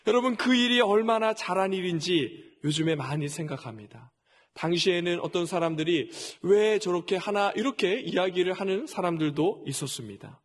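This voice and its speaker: A man's voice: sits high, lively intonation, normal speed. A middle-aged male pastor preaching a sermon, telling a personal story and often addressing the congregation directly.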